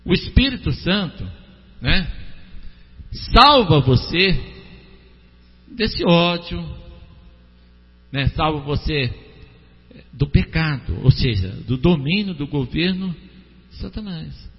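Lively husky-voiced man preaching in a hall. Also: on the high side, slow pace, pauses often. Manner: animated, swings between loud exhortation and soft prayer; addresses listeners by name, asks them to respond. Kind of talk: sermon. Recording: dull, lo-fi, echoey hall recording with hum.

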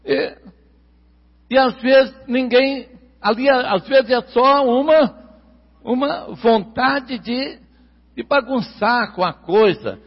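A man with a Brazilian Portuguese accent preaching a sermon, emphatic, repeating key words and drawing them out slowly. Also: very high-pitched, slightly rough. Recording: long hall reverb, dull lo-fi sound.

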